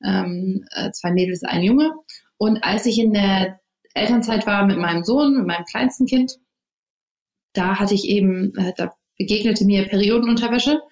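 A woman's voice: mid-range voice, moderate pace, darkish tone. Woman founder in her thirties, first language English; thoughtful, hesitant delivery with ums and restarts; room echo on the track. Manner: thoughtful, many fillers and restarts. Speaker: interview guest, company founder. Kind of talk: casual interview talk. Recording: roomy echo.

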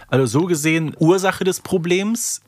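A man's voice: high voice, moderate pace, darkish tone, no room sound, clean studio sound. A man co-hosting a casual podcast about an audio drama, explaining and tagging on little questions. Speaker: podcast co-host.

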